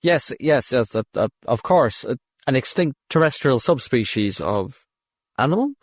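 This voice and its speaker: A man's voice: mid-range voice, animated, normal speed, no echo, studio quality, natural voice. A man voicing a humble, flustered young technician in an audiobook, stammering and apologetic as he speaks. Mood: uneasy, appalled.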